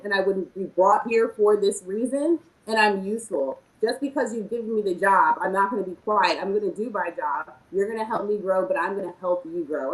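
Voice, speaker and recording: A woman's voice: medium pitch, roomy sound, rough recording. A woman chef speaking earnestly and emphatically on a panel about her experience at work. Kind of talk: panel discussion, personal story.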